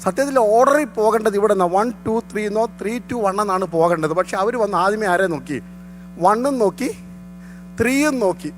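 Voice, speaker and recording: A man's voice: high voice, animated, fairly quick, soft background music. A man with a Malayali accent preaching a fervent sermon as a pastor, mixing in English phrases and calling out hallelujah often.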